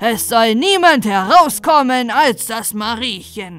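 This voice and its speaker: A put-on character voice sounds gruff at a fairly high pitch. It moves at a fairly slow pace with music in the background. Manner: commanding, calling out.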